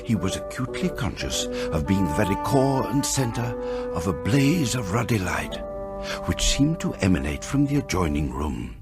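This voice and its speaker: A man's voice: deep voice, sing-song, moderate pace, loud music behind the voice. A man narrating a radio drama as a theatrical storyteller, relishing each descriptive phrase.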